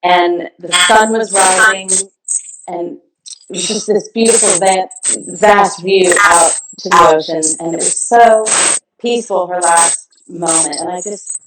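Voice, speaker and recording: A middle-aged woman from the American Midwest, a guest telling her story in a warm, reflective way over a video call. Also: on the low side, a little slow. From Kansas, American Midwest. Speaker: guest, balm founder. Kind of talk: casual video interview. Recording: echoey room, distant mic, background noise.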